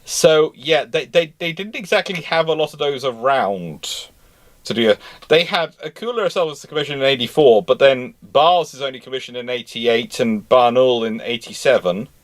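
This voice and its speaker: A man's voice: medium pitch, animated, moderate pace. A man in a casual live discussion of naval history, talking in a detailed, pedantic way. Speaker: live show panellist answering naval history questions.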